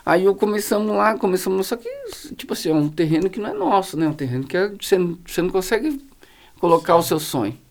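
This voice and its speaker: A man with a Brazilian Portuguese accent, a pastor telling stories as a podcast guest in slangy, animated casual talk full of fillers. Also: high-pitched, fast, vocal fry. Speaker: guest, pastor running a social project. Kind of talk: casual storytelling in a podcast conversation.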